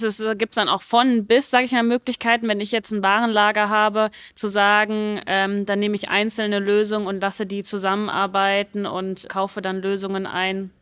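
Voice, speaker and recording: A woman's voice: medium pitch, fairly bright tone, clear, resonant tone, no room sound. Upbeat woman hosting a podcast. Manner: upbeat, prompting questions. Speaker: podcast host. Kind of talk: trade fair podcast interview.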